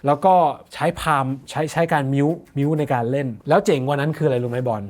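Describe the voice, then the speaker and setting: A man's voice: a little high, steady tone, fairly quick. A man explaining a guitar effects unit step by step in a casual, eager demo chat at a music shop. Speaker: gear reviewer.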